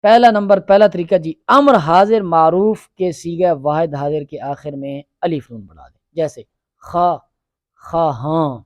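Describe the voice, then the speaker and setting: A male teacher leads a classroom grammar lesson. He fires short questions at his students and makes them repeat forms back to him. His voice sits a little high and sounds close and dry, with no room echo. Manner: drills students with quick questions and repetitions.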